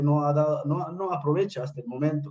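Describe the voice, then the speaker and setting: Against a quiet background, a man talks in a fairly high pitch with a dark, mellow tone. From Ecuador, Pastaza Amazon region; Ecuador. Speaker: student. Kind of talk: testimony. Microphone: video call.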